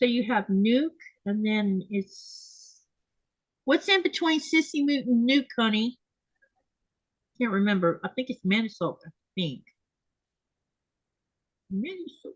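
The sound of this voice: In a put-on character voice with a strong Southern US accent, a woman drawls at a fairly high pitch and a fairly slow pace, leaving long, frequent pauses. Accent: heavy Southern.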